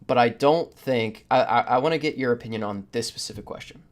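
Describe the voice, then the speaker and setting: A man's voice: medium pitch, a little fast. A man hosting a casual panel podcast, talking conversationally and laying out his points at length. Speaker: podcast host. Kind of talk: casual panel discussion of superhero films.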